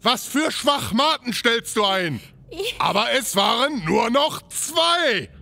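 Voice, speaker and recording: An actor playing a brutal, impatient gangster in an audio drama, barking crude threats. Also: male voice, very high-pitched, very animated, takes it slowly, vocal fry, sharp tone, exaggerated voice. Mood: furious, impatient.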